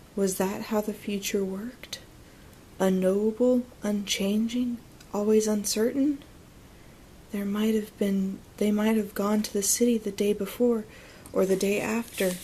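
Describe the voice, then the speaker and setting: With music-free but noticeable background noise around her, a soft-spoken woman with a gentle tone speaks at a medium pitch in a flat monotone, with long, frequent pauses. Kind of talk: soft-spoken book reading / ASMR. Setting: close to camera, quiet indoor recording. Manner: soft-spoken, gentle.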